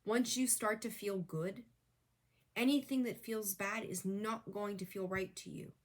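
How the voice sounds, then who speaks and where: A woman's voice: medium pitch, unhurried. A woman reading tarot who talks straight to viewers in an earnest, coaching way, repeating her advice, with a voice that is wearing thin. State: losing her voice, clearing her throat. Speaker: tarot reader. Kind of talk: casual spiritual tarot reading.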